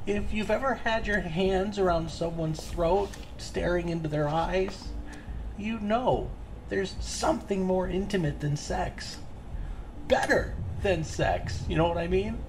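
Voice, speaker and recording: A man's voice: high-pitched, measured pace, background noise. A man playing a chatty, volatile serial killer in an audio drama, rambling with casual menace and demanding answers. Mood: intense, needling.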